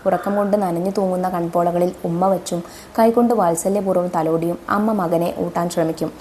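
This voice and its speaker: A woman's voice: on the low side, fairly even intonation, a little fast, dark tone, a little hiss or hum. A woman teacher who goes through exam questions and reads model answers aloud to children. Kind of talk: exam revision lesson.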